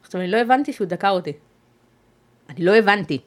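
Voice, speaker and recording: Speaking in an expressive mid-range voice, a guest on an interview podcast describes an ordeal she went through. Her delivery is measured and halting, with pauses and fresh starts along the way.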